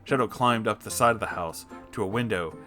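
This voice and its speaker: A man's voice: lowish voice, brisk, bright, forceful tone. A man reading a story aloud as a comedic host, theatrical and emphatic, with music behind him. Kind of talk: comedic dramatic story narration.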